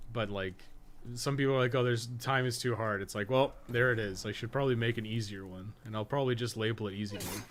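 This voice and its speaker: A man's voice: lowish voice, brisk. A man giving casual live video game commentary as a streamer, with a wry, offhand, sarcastic way of talking.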